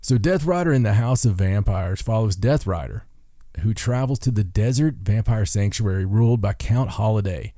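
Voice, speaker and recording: Low, mellow-voiced man chatting on a podcast. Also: lively intonation, normal speed, no echo, clean studio sound. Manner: rambling, jokey, enthusiastic. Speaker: podcast host. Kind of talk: casual podcast chat.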